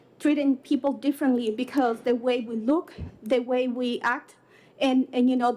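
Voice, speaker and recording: At a moderate pace, a woman speaks with a high pitch and monotone, flat intonation. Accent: non-native. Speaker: state representative testifying. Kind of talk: legislative testimony. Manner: halting, many repetitions.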